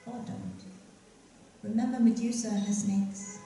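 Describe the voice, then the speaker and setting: A young woman poet giving a reading at a lectern on a dark stage, chatty and giggly between her poems and measured as she reads them. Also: medium pitch, steady tone, a little hiss or hum. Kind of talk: poetry reading. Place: dark stage at a festival event. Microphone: stand mic at a lectern. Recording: roomy hall, mic from a distance.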